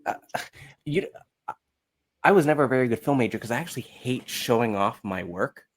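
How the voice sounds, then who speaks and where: A man's voice: medium pitch, expressive, fairly quick. An American man in his thirties, talking casually as a podcast guest, informal and given to acting out examples. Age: 30s. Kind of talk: casual conversational talk.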